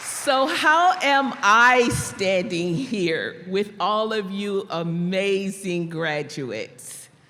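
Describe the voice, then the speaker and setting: Over crowd noise and audible room echo, a woman with an American accent speaks very slowly at a medium pitch with lively intonation. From California. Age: 60s. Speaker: student commencement speaker. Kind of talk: commencement speech. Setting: stage with audience.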